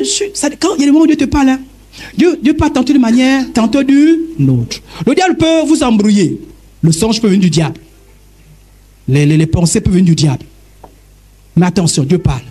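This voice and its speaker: Husky-voiced preaching man, animated pitch. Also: fairly quick, long pauses, faint music behind. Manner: emphatic preaching, wide pitch swings, direct address. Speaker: pastor. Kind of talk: sermon.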